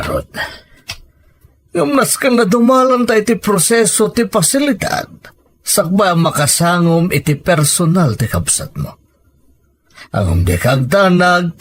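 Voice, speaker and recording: A man playing a grave, protective uncle in an audio drama, speaking in a solemn, measured, reassuring way. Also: high voice, slightly rough, heavily acted. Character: grave, protective uncle guarding a family secret. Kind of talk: emotional audio drama acting. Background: background music.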